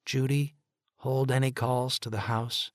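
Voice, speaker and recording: A man's voice: mid-range voice, level tone, a little slow, no room sound, studio quality, pitched above the performer's own voice, natural voice. A man voicing an earnest woman nurse who talks in an urgent, pleading way.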